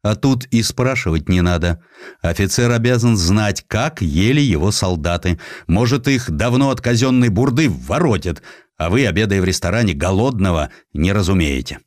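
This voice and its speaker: A man voicing a brisk, self-assured nineteenth-century general in an audiobook, commanding and emphatic. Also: lowish voice, animated, darkish tone, no room sound, studio quality, lightly acted. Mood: stern. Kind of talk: audiobook character acting.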